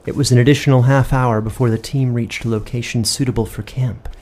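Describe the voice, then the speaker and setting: A man's voice: medium pitch, fairly even intonation, fairly quick, darkish tone. A man working as game master, reading dramatic scripted fantasy-horror narration. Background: music.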